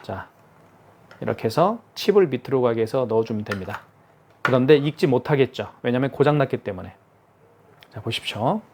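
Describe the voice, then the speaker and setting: A man demonstrating a gadget on camera, talking viewers through every step. He explains patiently and often repeats a phrase to make sure it lands. His voice sits at an ordinary middle pitch. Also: expressive, fairly quick, long pauses, a little mellow, a little hiss or hum. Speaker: product demonstrator. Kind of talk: hands-on product tutorial.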